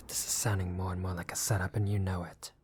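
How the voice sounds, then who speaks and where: A man's voice: low-pitched, level tone, brisk, a little hiss or hum, natural voice. A man playing a wary, streetwise young gangster for hire in a roleplay audio drama, guarded and sardonic, with casual street talk. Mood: suspicious, exasperated.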